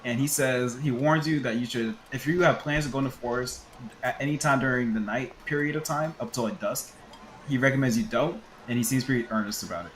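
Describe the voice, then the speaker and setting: A man's voice: medium pitch, a little fast, reverberant, slight background noise. Young man casually running a tabletop game. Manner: casual, laughs often, lots of ums and restarts. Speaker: game master.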